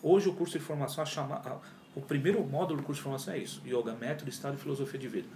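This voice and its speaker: A man's voice: medium pitch, racing, noisy background. A man, a yoga teacher telling his story in a casual, slangy interview. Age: 40s. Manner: animated and slangy, often says cara and pô. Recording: roomy echo.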